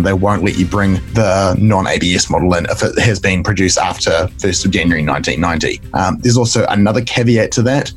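A man speaks in a slightly low voice that is croaky and creaky from a recent cough. He explains things in a conversational podcast news style, with faint music behind him. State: recovering from a bad cough. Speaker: podcast co-host reporting news.

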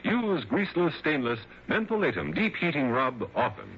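A man's voice: a little high, sing-song, normal speed, background noise. A man reading a scripted radio commercial in an emphatic selling style. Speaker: commercial announcer. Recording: dull lo-fi old radio broadcast.

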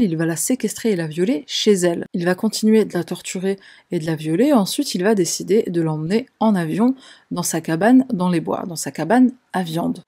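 True crime narrator, female, slightly low voice, conversational storytelling with dry sarcastic asides. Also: warm tone.

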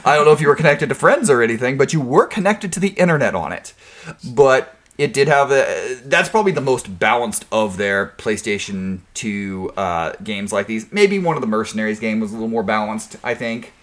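A man's voice: medium pitch, animated, brisk, a bit bright. Rambling male podcast co-host. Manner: rambling, frequent restarts and fillers. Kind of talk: casual gaming podcast chat.

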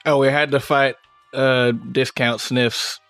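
A man's voice: mid-range voice, steady tone, slow, a bit bright, no room sound, soft background music. Joking man player in a tabletop game. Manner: joking, playful. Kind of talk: casual game chat.

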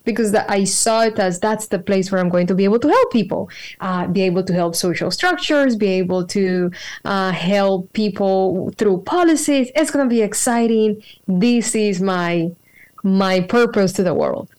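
A woman's voice: mid-range voice, expressive, moderate pace, darkish tone. A woman, telling her story as an interview guest over a video call, thoughtful and earnest with fillers. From Colombia. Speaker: guest, spiritual practitioner. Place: home room with a cat.

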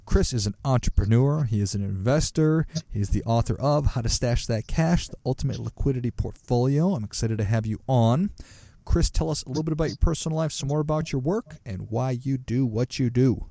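Mellow, low-key male podcast host. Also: fairly quick, gravelly, no echo. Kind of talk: podcast interview hosting.

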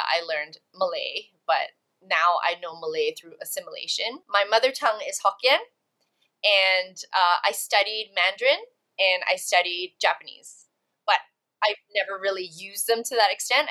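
An adult actress and TV host with a career spanning more than two decades chats as a podcast guest about her work, laughing often and using many fillers in a casual interview. Her voice is lowish with a sharp tone, and the recording is rough.

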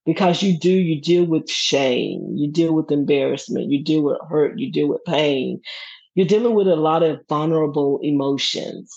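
Middle-aged woman, lively storyteller, dull sound. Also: low-pitched, moderate pace, creaky, breathy edge. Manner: lively, laughs often, acts out quoted voices. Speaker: guest. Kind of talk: personal storytelling. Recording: dull lo-fi recording.

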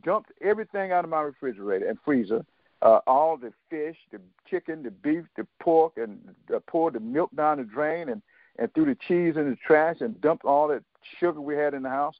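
Man in his seventies, halting speech, lots of fillers and restarts, quoting others, dry tinny phone line. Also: fairly high pitch, expressive, no room sound. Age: 70s. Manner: storytelling, quoting others in dialogue. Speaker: guest. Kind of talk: interview on a talk radio show.

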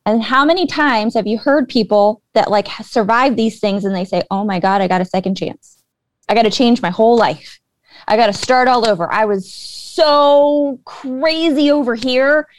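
A woman's voice: fairly high pitch, normal speed, slight background noise. A woman guest earnestly explaining her beliefs in a casual conversation, with many fillers. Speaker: guest, spiritual intuitive.

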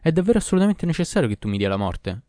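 A man's voice: on the low side, lively intonation, brisk, warm tone, no room sound, studio quality, natural voice. A man voicing a poor, desperate but cunning fisherman in a storybook reading, speaking in an earnest, pleading way.

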